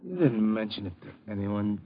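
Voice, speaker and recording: A streetwise prizefighter talks in a low, husky, slangy voice. The sound is the dull, narrow tone of a 1950s radio broadcast. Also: male voice, animated, normal speed. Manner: streetwise tough-guy slang. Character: tough, broke male prizefighter, worried father. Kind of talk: 1950s radio drama acting.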